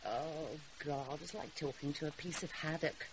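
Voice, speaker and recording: A woman's voice: low-pitched, moderate pace, close to an everyday voice. An actress playing a dry, sarcastic, exasperated British mother in a naturalistic radio drama. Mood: sardonic. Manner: dry, sardonic. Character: sarcastic, tipsy schoolteacher mother, anxious and exasperated. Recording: noisy, hissy radio recording.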